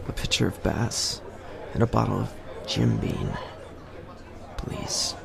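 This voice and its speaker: A man playing an unhinged young killer in an amateur audio drama, halting and muttering as he talks. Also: on the low side, wildly swooping pitch, gravelly, crowd noise, exaggerated voice. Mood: brooding, menacing. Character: unhinged young male killer, frightened and childlike around his mother.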